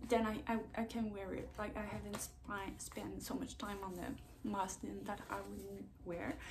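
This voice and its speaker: A woman speaks at a fairly slow pace with hardly any pauses, with audible room echo and noticeable background noise. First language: French. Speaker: sewing vlogger. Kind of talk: casual chat. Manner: halting.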